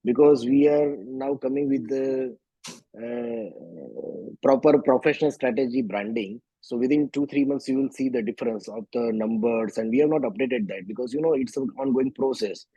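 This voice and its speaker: A man with an Indian accent answering as a company executive on an earnings call, halting and often switching between Hindi and English. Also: mid-range voice, warm tone, husky. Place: remote conference call. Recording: dull, echoey conference call audio.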